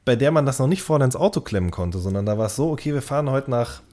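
A man's voice: medium pitch, lively intonation, quick pace, warm tone. A man, probably in his thirties, explaining things as co-host of a casual podcast.

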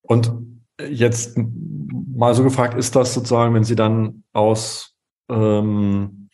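A man hosts a podcast interview in a dark, mellow voice. He asks loose, halting questions, searches for words with lots of fillers, and now and then drops in a joke. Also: medium pitch, flat delivery, faint music behind. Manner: casual, hesitant questions with many fillers, joking.

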